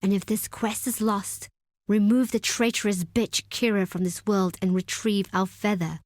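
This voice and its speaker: A woman's voice: medium pitch, fairly even intonation, moderate pace, no room sound, close to an everyday voice. A woman playing a proud, stern tribal deputy leader in a video game, speaking in a solemn, formal, imperious way. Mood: urgent, grave. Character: proud, stern desert tribe woman, second-in-command, wary of outsiders. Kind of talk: dramatic video game character acting.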